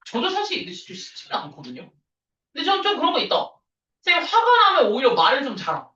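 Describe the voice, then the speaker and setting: A woman's voice: mid-range voice, bright, forceful tone. A woman teaching an English reading lesson, chatting casually with students and switching between casual and polite speech. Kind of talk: casual classroom lecture. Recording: roomy, distant, dull lo-fi sound.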